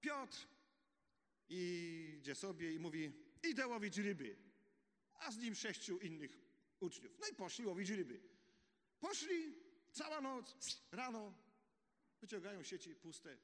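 A man preaching a sermon, telling the story vividly and dropping to a hush for key points. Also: high voice, measured pace, pauses often. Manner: animated storytelling with dramatic drops to a hush. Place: church hall. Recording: echoey church hall.

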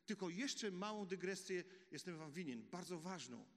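A man preaching a sermon, telling the story vividly and dropping to a hush for key points. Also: high voice, normal speed. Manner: animated storytelling with dramatic drops to a hush. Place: church hall. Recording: echoey church hall.

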